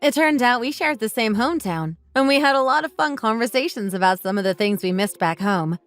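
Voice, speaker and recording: A woman in her twenties reading a first-person story in an even, composed way. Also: on the high side, brisk, no room sound, faint music behind. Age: 20s. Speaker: narrator.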